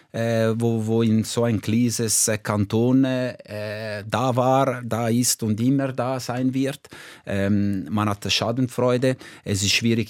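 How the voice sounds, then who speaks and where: A middle-aged man from Ticino speaks German with an Italian-Swiss accent, pausing often on filler sounds. His voice sits somewhat low. The sound is dry and close, with no room echo. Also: darkish tone. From Ticino, Switzerland. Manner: hesitant, many filler sounds. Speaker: guest, goalkeeping expert. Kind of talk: casual talk show chat.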